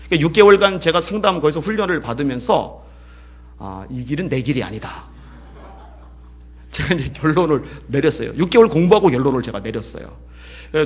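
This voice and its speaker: A man preaching as pastor, telling a story and swinging between hushed passages and loud, emotional peaks. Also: on the high side, slightly rough. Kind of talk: sermon. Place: church.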